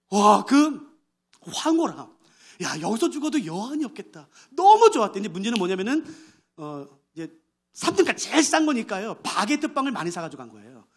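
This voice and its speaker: A man's voice: high-pitched, fairly bright tone. A male pastor preaching a sermon, telling a story with great animation and acting out its characters' voices.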